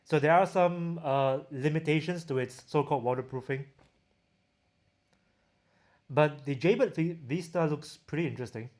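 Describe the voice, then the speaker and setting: Singaporean accent guy doing a casual livestream q&a, voice a bit on the high side. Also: moderate pace, long pauses, darkish tone. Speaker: livestream host, audio gear reviewer. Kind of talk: casual livestream chat, reading and answering viewer questions.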